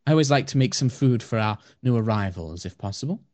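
A man voicing a gentle blind wood elf woman who runs a temple, speaking softly, kindly and with stammers. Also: mid-range voice, lively intonation, fast talker, dry recording, natural voice. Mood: welcoming. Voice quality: soft, breathy.

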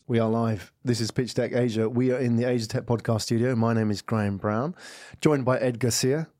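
A man's voice: mid-range voice, fairly even intonation, a little fast, a little mellow, no room sound. A man hosting an interview podcast in a studio, asking long, rambling questions and backing his guest with frequent murmurs. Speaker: podcast host.

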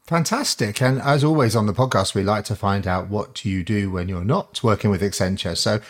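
A man's voice: lowish voice, moderate pace. A man hosting a podcast, introducing his guest in a friendly, upbeat way and leading the interview with frequent fillers. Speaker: podcast host.

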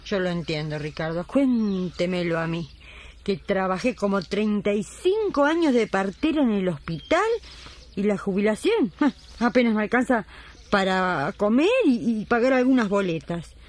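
Animated older Argentine woman, acted. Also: mid-range voice, moderate pace, close to an everyday voice. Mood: sympathetic. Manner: consoling, encouraging. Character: sympathetic, spirited retired midwife. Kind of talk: radio drama acting.

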